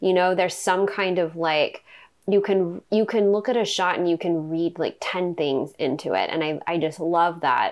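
With an American accent, a woman speaks in an unremarkable speaking voice, fairly low in pitch, at a moderate pace with ordinary pitch variation and a quiet background. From US South, Texas. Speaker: screenwriter and showrunner. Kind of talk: casual interview.

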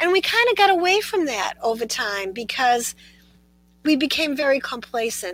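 With a Boston accent, a woman talks at a moderate pace in a high pitch that swings very widely. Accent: Boston, noticeable. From Boston, US. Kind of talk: casual interview chat.

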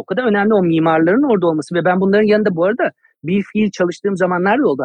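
A man with a high pitch talks at a very fast pace, his pitch varying in an ordinary way. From Istanbul, Turkey. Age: 40s. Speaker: sculptor. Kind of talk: interview.

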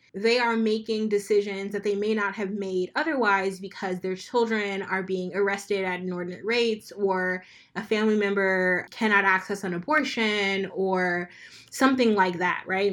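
A woman's unremarkable speaking voice at a medium pitch, moderate in pace, with fairly even intonation, on a very clean recording with a silent background. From California. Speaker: romance author and historian. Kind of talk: casual chat.

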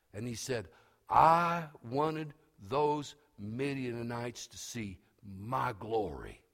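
A man at a medium pitch talks at a very slow pace, leaving long, frequent pauses. His intonation is lively, and his loudness swings a lot. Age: 60s. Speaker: pastor. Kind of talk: sermon. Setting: church with congregation. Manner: casual, conversational.

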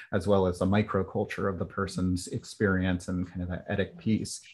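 An American-accented man with a fairly low pitch speaks at a moderate pace in a monotone, flat intonation. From United States. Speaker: podcast host and psychologist. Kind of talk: interview.

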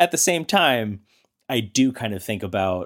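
Lively intonation marks the moderate-paced speech of a man with a plain, everyday voice. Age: 20s. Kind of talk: casual chat.

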